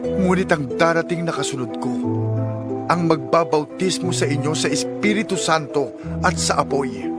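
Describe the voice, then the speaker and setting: A man performs a fiery preacher of the wilderness in a dramatized scripture recording. His voice is pitched well up and he exhorts sternly, like someone calling for repentance. Music plays clearly behind him. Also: normal speed, natural voice. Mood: solemn, exhorting. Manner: declamatory, exhorting.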